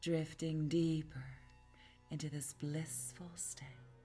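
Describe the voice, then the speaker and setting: A woman's very deep, low-pitched voice over music in the background. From Netherlands. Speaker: hypnotherapist. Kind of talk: hypnosis induction. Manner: slow, soft-spoken.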